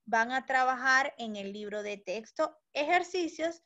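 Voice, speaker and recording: A woman teaching a recorded school lesson for children, sounding out syllables slowly and checking understanding with short questions. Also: high-pitched, expressive, pushed and bright, dull audio. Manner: slow, deliberate, stretches and sounds out syllables.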